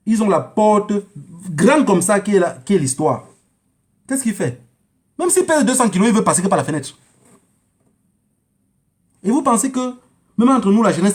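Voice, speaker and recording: A man giving an informal political monologue to online viewers, haranguing them emphatically and repeating phrases for effect. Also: high-pitched.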